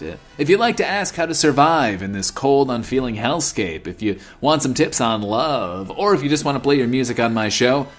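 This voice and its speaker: A man's voice: medium pitch, lightly acted. A man playing a lonely, self-styled stud radio host in a comedy audio drama, with showy, flirty patter. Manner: showy patter, refers to himself in third person, flirty.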